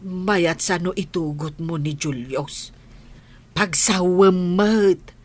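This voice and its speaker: A woman's voice: on the low side, slow pace. A woman voicing a supportive grandmother in an audio drama, speaking reassuringly.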